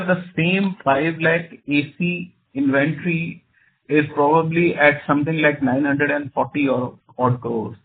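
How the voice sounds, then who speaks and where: A man with an Indian accent, speaking as a company executive, explaining business matters deliberately, point by point. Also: on the high side, slight background noise. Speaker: company executive on an earnings call. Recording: dull conference phone line.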